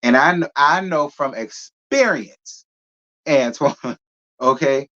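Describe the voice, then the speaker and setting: A man's voice: medium pitch, takes it slowly, pushed and bright, highs cut off. A man in his thirties hosting a casual live stream, reading viewer comments and answering with a sassy, drawling manner and frequent laughter. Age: 30s. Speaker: host reading live chat.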